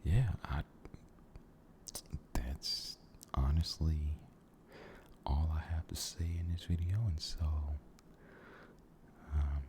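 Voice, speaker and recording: A man giving a soft-spoken, mostly whispered ASMR ramble, halting and gentle, repeating his phrases, close to the microphone. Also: very deep voice, steady tone, a little hiss or hum. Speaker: ASMR video creator.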